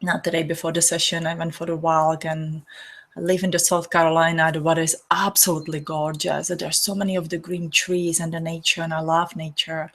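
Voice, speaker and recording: A woman with a Czech accent, her first language Czech, hosting a spiritual healing session and speaking softly and earnestly in non-native phrasing. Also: low voice, level tone, brisk. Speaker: spiritual healer and host. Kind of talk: gentle spiritual talk to an online audience.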